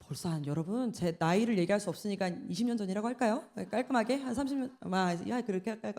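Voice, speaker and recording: A woman's voice: mid-range voice, quick pace, darkish tone. A woman in her forties preaching a sermon in a church, telling stories and acting out the voices she quotes. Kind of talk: sermon at an evening prayer meeting.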